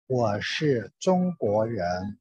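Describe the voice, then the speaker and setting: Guy language student repeating sentences super slow, careful and halting, husky voice, dull call audio. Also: lowish voice, very animated, darkish tone. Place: online video call. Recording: dull, roomy online call recording.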